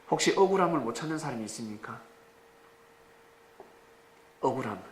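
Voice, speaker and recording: A male pastor preaching a sermon with dramatic rises, sudden shouts and rhetorical questions to the congregation. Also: mid-range voice, slight background noise. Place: church sanctuary. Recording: echoey church room, faint ambience.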